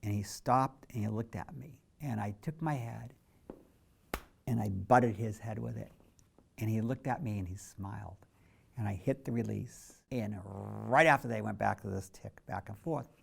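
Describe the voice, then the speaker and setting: Gravelly middle-aged man telling his story. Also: lowish voice, normal speed. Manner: candid, storytelling, reflective. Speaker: photographer. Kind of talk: documentary interview narration.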